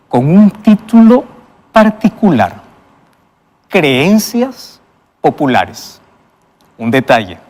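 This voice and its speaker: A man hosting a Bible study show in a studio, presenting with emphatic pauses and interviewing guests. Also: medium pitch, a little mellow, long reverb tail. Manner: emphatic, with dramatic pauses and enthusiastic wows.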